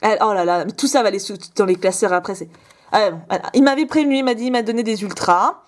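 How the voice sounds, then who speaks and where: A young woman vlogger opening fan mail in casual chat, gushing with quick exclamations and asides. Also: medium pitch.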